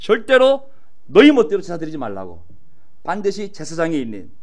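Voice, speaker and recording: A man talks in a high pitch with very wide pitch swings. Audible room echo surrounds his voice. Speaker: pastor. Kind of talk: sermon. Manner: fast.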